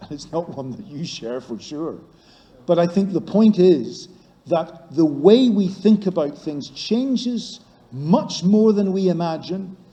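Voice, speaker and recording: In a Northern Irish accent, a man speaks fairly slowly at a high pitch with a dark, mellow tone, lively intonation and big swings in loudness. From Northern Ireland. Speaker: psychiatrist and politician. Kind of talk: lecture Q&A answer.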